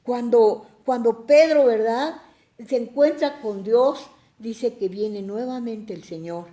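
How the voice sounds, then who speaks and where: A woman's voice: fairly high pitch, takes it slowly, dark tone, roomy sound. A woman with a Mexican accent leading a church Bible study and giving an emotional personal testimony, fervent and exclamatory. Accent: Mexican Spanish. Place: church hall.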